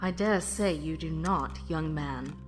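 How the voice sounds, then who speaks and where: Low-voiced, stern mage mentor. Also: female voice, over music. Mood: stern, measured. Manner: formal, measured, authoritative. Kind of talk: audio drama acting.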